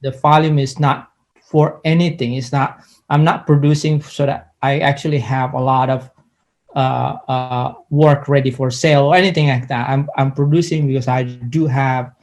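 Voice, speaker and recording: A middle-aged man from Indonesia, an artist answering interview questions in a halting way with many restarts and pauses. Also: medium pitch, fairly even intonation.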